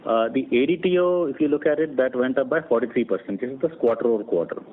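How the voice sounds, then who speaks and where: A male company executive answering questions on an earnings call, speaking off the cuff and rephrasing haltingly as he explains. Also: mid-range voice. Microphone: conference phone call. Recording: narrow phone line with clear noise.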